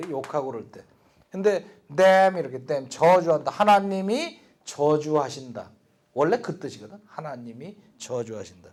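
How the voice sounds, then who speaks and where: An older man leads an English lesson built on scripture. His voice sits high, and he jokes as he goes. He talks at an unhurried pace, repeating key words for practice. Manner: lively, jokey, repeats words for drill. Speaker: English teacher. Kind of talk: Bible-based English speaking lesson.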